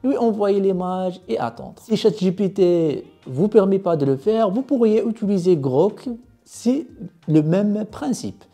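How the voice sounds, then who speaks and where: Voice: mid-range voice, expressive, measured pace, warm tone, faint music behind. A tutorial presenter explaining tech steps in an instructional voice-over.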